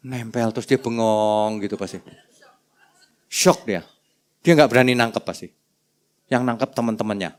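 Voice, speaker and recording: A male pastor preaching a sermon with animated, humorous storytelling. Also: medium pitch.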